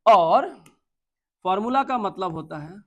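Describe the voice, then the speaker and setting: A man with an Indian accent leads an exam-prep grammar lesson, going over points again, quizzing his students, and reading English sentences slowly, one word at a time. His voice sits high and sounds animated and fairly bright, though the audio is dull.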